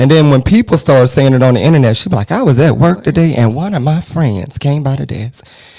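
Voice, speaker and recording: A man talks at a very fast pace in an animated tone. Noticeable background noise runs behind him. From Virginia. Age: 30s. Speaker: comedian. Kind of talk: casual chat. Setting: studio.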